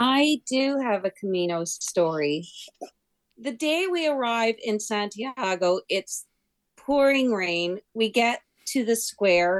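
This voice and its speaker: A woman speaks at a very slow pace with very wide pitch swings. The sound is dry and close, with no echo. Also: fairly high pitch for a woman. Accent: Canadian. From Canada. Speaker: pilgrim. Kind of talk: casual interview. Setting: remote call.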